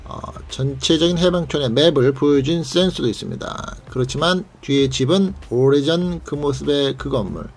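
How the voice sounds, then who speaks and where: A man's voice: on the high side, gravelly. A man hosting a travel vlog, narrating a leisurely tour in a guide-like way and pointing out sights. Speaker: vlog host.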